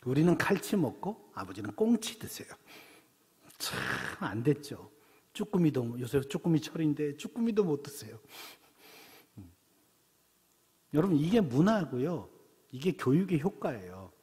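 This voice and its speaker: Casting: middle-aged man from Seoul, pastor, animated storytelling sermon, husky voice in a long-reverb sanctuary. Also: on the high side, unhurried, long pauses. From Seoul, South Korea. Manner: chatty storytelling with rhetorical questions. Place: church sanctuary.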